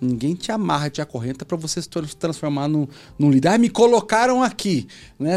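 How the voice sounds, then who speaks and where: A man with a fairly high pitch talks at a fairly quick pace with very wide pitch swings, on a very clean recording with a silent background. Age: 40s. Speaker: psychologist and author. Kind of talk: podcast interview. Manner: halting, frequent repetitions.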